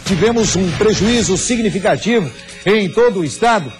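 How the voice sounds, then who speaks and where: A man's voice: high-pitched, lively intonation, normal speed. A middle-aged man presenting TV news as an anchor in a studio. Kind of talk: news presenting with live interview. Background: music under the voice.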